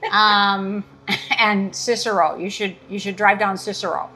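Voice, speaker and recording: A woman's voice: mid-range voice, little pitch movement, unhurried, pushed and bright, rough recording. A middle-aged woman from Chicago with a Chicago accent, hosting a casual, joking chat as a comedian. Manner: joking, playful banter. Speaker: comedian host.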